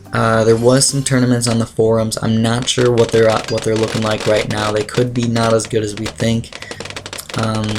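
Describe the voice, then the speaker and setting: A teenage guy gives casual, rambling commentary over his gameplay as a YouTuber, his raspy, dry voice in a mid range. He uses lots of fillers and clears his throat, with noise in the background.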